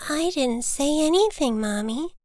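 A woman's voice: high-pitched, lively intonation, a little slow, darkish tone, no room sound, clean studio sound, pitched above the performer's own voice. A woman voicing an innocent, bewildered young male bird in a storybook, with a plaintive, childlike way of protesting. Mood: pleading.

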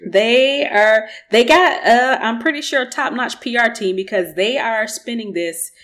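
A woman's voice: a little high, a little slow, a bit bright. A woman co-hosting a casual tech news podcast, chatty and polite in manner. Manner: chatty, polite, laughs easily. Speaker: podcast co-host.

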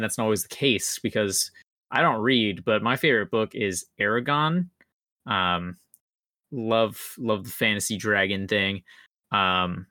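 A man in a casual podcast discussion, speaking haltingly and often repeating words as he makes his points. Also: lowish voice, bright, forceful tone, dry recording, studio quality. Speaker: podcast panelist.

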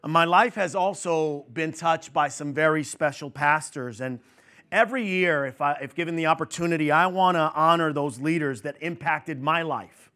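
A man's voice: on the high side, normal speed. A man in his fifties from New York, a pastor giving a conversational sermon to his congregation with chatty asides and fillers. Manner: conversational and warm-humored with the congregation, many fillers.

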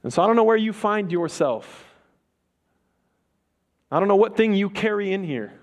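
A young man preaching in an easygoing, chatty way, full of slang and quick asides. His voice sits a little high for a man. He moves from playful storytelling to earnest appeals. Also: animated. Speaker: pastor. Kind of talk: sermon.

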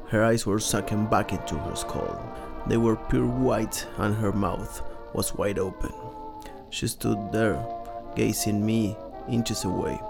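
A man narrates horror fiction in a low voice with heavy creak. His delivery is scripted and dramatic, and music plays clearly behind him. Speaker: horror story reader.

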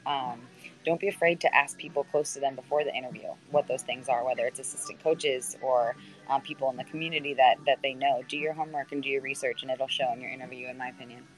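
A woman in her thirties with a naturally deep voice, a sideline reporter chatting on a video call, sprinkling her answers with ums and restarts. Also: steady tone, fast talker, faint music behind, low-quality recording. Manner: conversational, lots of fillers and restarts. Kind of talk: answering student questions on a call.

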